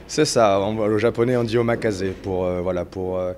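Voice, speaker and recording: A man's voice: fairly low pitch, fairly even intonation, normal speed, a little mellow, slight background noise. A man, a chef, answering interview questions modestly, with many hesitations.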